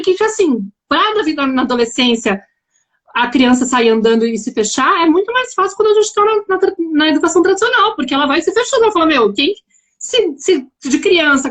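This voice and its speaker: Fast-talking, animated mother on a live call. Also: high-pitched. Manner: earnest, animated, acts out dialogues with her daughter. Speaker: guest speaker on parenting. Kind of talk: live conversation.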